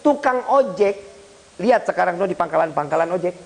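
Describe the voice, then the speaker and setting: A man preaches a light-hearted Islamic sermon. His voice sits high for a man, and he jokes with the crowd and asks them questions as he goes. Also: brisk, gravelly. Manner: lively, joking, addresses the audience directly. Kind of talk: humorous Islamic sermon to a congregation.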